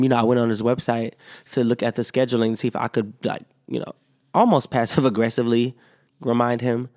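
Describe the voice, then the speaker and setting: A man's voice: medium pitch, dark tone, no room sound, clean studio sound. A man hosting his own podcast in a loose, rambling chat full of fillers and swearing, his voice not fully back after being sick. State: voice not fully recovered from illness. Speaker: podcast host. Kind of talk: casual solo podcast chat.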